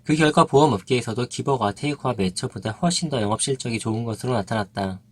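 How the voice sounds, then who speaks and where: A man narrating a nonfiction book in an even, measured reading voice. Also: medium pitch. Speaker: audiobook narrator.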